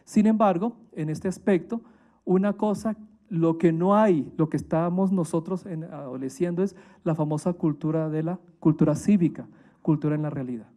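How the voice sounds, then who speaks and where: A man's voice: fairly high pitch, moderate pace, warm tone. A Colombian man, a priest, giving a motivational talk to families and staff, emphatic and full of rhetorical questions.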